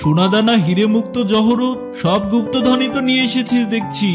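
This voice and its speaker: An excitable, greedy cartoon tiger uncle, acted by a man in an extremely high male register. He talks in astonished exclamations, with music clearly heard behind him. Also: fairly quick. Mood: amazed. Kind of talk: cartoon voice acting.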